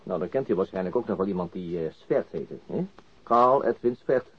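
An actor playing a pensive, plain-spoken police detective in a radio drama, understated and conversational. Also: male voice, low-pitched, lively intonation, normal speed. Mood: matter-of-fact. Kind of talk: naturalistic radio drama dialogue. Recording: muffled radio drama recording, clear background noise.

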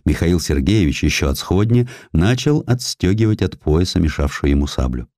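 A man narrating a historical tale in an expressive, measured way, with weighty pauses. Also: low-pitched, no room sound, studio quality. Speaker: audiobook narrator.

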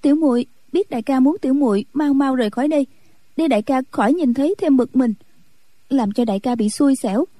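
A woman voicing a timid, tender young nun in a storybook reading, in a soft, anxious, pleading way. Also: high voice, fast, no echo, pitched above the performer's own voice. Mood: tearful.

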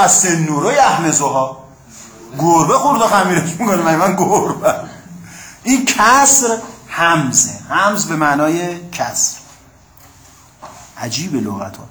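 High-voiced man lecturing in an echoey room. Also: fairly bright tone. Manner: keeps checking with listeners and prompting them to answer; reads Arabic passages, then explains them in plain speech. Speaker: teacher of Quran commentary. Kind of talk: classroom lecture.

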